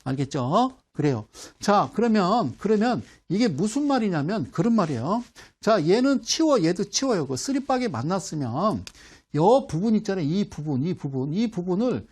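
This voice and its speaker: A man's voice: high voice, very animated, moderate pace, a little mellow, slightly rough. A middle-aged man giving a playful stock chart lecture, asking questions and answering himself, with sound effects and mock dialogue. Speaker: stock market instructor.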